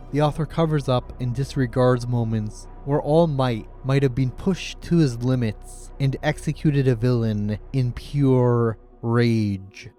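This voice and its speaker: Male essay narrator, relaxed mid-range voice, casual and sardonic, faint music bed. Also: medium pitch. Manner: opinionated, sarcastic, casual swearing. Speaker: video essayist, host. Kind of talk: scripted video essay narration. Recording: music playing under the voice. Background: background music.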